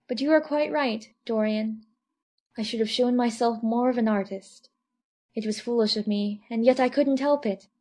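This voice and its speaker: A man's voice: very high voice, normal speed, a little mellow, voice pushed up. A man voicing a lovesick young actress in a storybook reading, desperate and devoted, pleading breathlessly. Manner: imploring, repetitive, breathless pleading.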